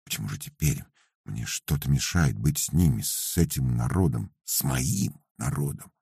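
A brooding young man's inner voice, low and subdued, detached from the chaos around him, as a male storyteller gives his thoughts. The tone is deep, gravelly and husky, unhurried and close. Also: lively intonation, warm tone, no echo, exaggerated voice. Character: numb, brooding young man thinking inwardly.

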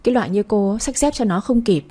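A woman's voice: medium pitch, lively intonation, quick pace, mellow, husky. A woman reading as a wailing, scornful old mother-in-law. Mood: shrill accusing. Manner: wailing, sarcastic complaints. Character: scolding, dramatic elderly mother-in-law.

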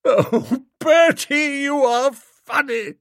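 A man voicing a bossy, self-assured young upper-class woman, speaking high and in a breezy, condescending way. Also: very slow, a bit bright, no echo, studio quality, exaggerated voice. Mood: teasing.

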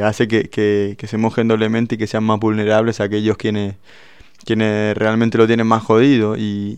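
A man's voice: fairly low pitch, clean tone, no room sound. A man hosting a radio show from a studio, talking in a playful, hesitant way with lots of restarts. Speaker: radio host. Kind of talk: casual radio chat. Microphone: studio microphone.

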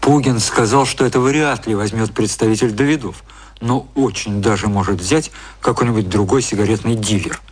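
A man narrating a literary radio play in a measured storytelling style. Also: lowish voice, husky.

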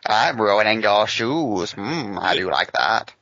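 A man voicing a pompous, menacing villain who taunts a trapped victim with slow theatrical delivery. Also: on the low side, expressive, pushed and bright, no echo, lo-fi sound, exaggerated voice. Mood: smug menace.

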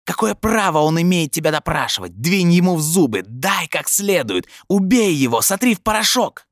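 A man voicing a wild inner voice of madness, shrill and squealing, goading in a bloodthirsty frenzy. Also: slow pace, breathy edge, no room sound, clean studio sound, heavily acted. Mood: violent frenzy. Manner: frantic, goading.

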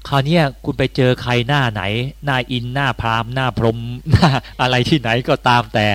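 A man's voice: mid-range voice, fairly quick. A Buddhist monk gives a dharma talk in an easygoing, conversational way, with sudden lifts of emphasis on key points. His male voice sits in the middle range. The sound is dry and close, with no room echo. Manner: conversational, animated, rising bursts of emphasis.

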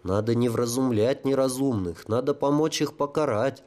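A man voicing a cunning dead sapper who speaks smoothly and with authority. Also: mid-range voice, moderate pace, dark tone, close to an everyday voice. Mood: commanding.

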